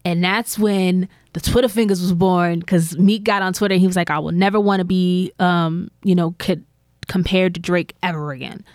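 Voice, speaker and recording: A woman's voice: lowish voice, steady tone, dry recording, studio quality. A woman co-hosting a podcast, retelling gossip in a chatty, meandering way full of fillers. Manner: chatty storyteller, drawn-out filler-laden retelling. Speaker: podcast co-host. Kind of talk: casual gossip chat.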